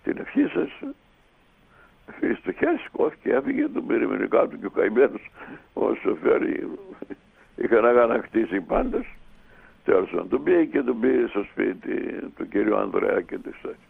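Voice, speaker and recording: Gravelly man telling a story over a phone line. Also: mid-range voice. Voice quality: gravelly and husky. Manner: lively, animated retelling with many pauses. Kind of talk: anecdotal storytelling on radio. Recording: tinny phone line on radio.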